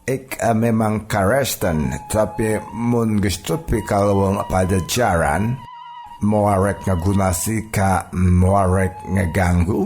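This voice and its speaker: Male storyteller as European army sergeant, low-pitched, drawn-out hesitant phrasing, earnest, folk-tale drama, faint music. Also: steady tone, a little mellow. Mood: earnest, promising. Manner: halting, drawn-out speech with hesitant hums. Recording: music bed behind the voice.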